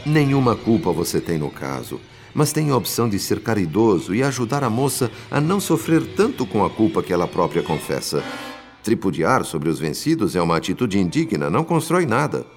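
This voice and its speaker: An actor playing a compassionate, earnest spirit mentor who narrates a radio drama in formal, literary diction. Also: male voice, fairly low pitch, sing-song, a little fast, soft background music. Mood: earnest, pleading.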